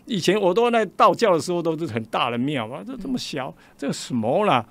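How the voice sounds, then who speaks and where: An older man with a Taiwanese Mandarin accent tells his story as a radio guest. He speaks quickly in a rather high, gravelly voice and acts out every quoted exchange with lively shifts of tone. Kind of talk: personal storytelling in a radio interview.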